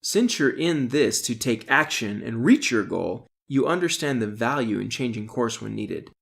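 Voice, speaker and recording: A middle-aged man, an author, reads his self-help audiobook in a deliberate, instructional way, stressing key terms. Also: mid-range voice, sing-song, vocal fry, fairly bright tone. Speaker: author reading own audiobook.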